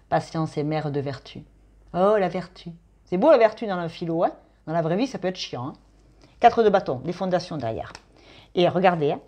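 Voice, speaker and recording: A woman's voice: fairly low pitch, a little mellow. A woman doing a chatty, playful tarot reading, full of fillers and asides. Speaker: tarot reader.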